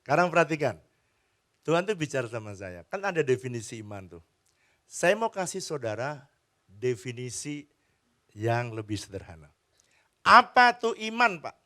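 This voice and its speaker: Lively storytelling male pastor. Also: medium pitch, moderate pace, pauses often. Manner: animated storytelling, chats with the congregation. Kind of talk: sermon. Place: church.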